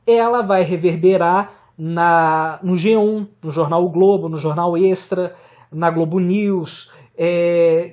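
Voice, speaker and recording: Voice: medium pitch, darkish tone. A researcher with a Brazilian accent giving a formal, explanatory academic presentation in a didactic way.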